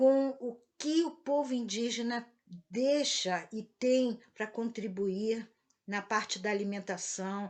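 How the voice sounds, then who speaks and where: A woman speaks very slowly, her fairly high voice showing ordinary pitch variation. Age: 70s. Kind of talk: lecture; reading aloud.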